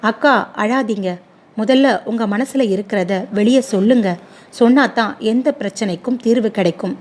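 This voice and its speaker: A woman's voice: a little high, moderate pace, a little mellow, lightly acted. A woman voicing a kind, talkative young neighbor woman who speaks earnestly and pleads. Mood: pleading. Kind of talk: storybook dialogue.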